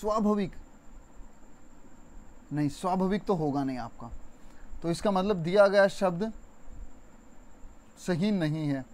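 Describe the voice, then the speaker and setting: A young man teaching an exam-prep Hindi spelling lesson, chatty and repetitive, stretching words slowly to show stress. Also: high voice, darkish tone. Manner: addresses viewers as friends, conversational.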